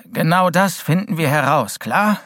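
A man voicing a gruff, bitter old male school headmaster and former policeman who growls his words curtly. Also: on the high side, lively intonation, measured pace, a bit bright, dry recording, clean studio sound, pitched above the performer's own voice. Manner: growling, curt.

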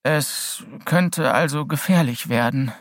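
A man's voice: on the high side, takes it slowly, no room sound, studio quality, voice pushed up. A man voicing an impulsive, eager teenage boy hero who speaks earnestly.

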